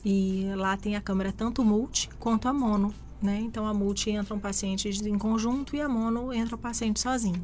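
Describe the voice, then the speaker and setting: A woman's voice: mid-range voice, fairly even intonation, fairly quick, hardly any pauses, darkish tone, soft background music. Woman explaining. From Rio de Janeiro, Brazil. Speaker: physician guest. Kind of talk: radio interview answers. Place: radio studio.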